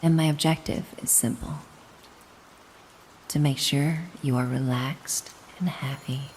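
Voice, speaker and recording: A woman playing a gentle, doting, mysterious caretaker in a soothing hypnosis roleplay, coaxing and reassuring the listener. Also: a bass voice, steady tone, slow pace, a little hiss or hum, poor audio. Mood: hypnotic, tender. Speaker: hypnosis audio performer.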